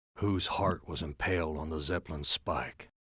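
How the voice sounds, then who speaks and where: A man uses a put-on character voice with very deep, low pitch and fairly even intonation at a moderate pace. The recording is very clean with a silent background. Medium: video game.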